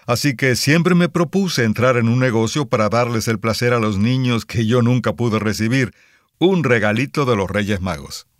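A man from Cuba playing a toy company president answering interview questions in a sincere, measured way, in a scripted listening-exam dialogue. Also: mid-range voice, no echo, clean studio sound, lightly acted. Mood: earnest. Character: earnest male immigrant toy company boss.

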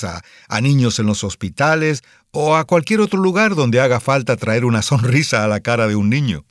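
A man's voice: medium pitch, no room sound, studio quality, natural voice. A man playing a modest Cuban-born toy boss. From Cuba. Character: earnest male immigrant toy company boss. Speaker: toy company president. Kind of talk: scripted listening-exam dialogue.

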